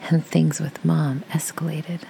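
A woman with a raspy voice, reading a post aloud in a soft, casual whisper. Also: low-pitched, level tone, measured pace, slight background noise. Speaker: audio creator reading posts.

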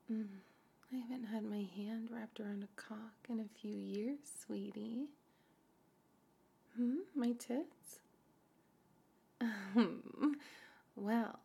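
Woman doing a teasing older babysitter, breathy whisper, slow and low-key, mellow with a bit of gravel. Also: heavily acted. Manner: slow, hushed, coaxing, with soft laughs and hums. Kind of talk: intimate audio roleplay.

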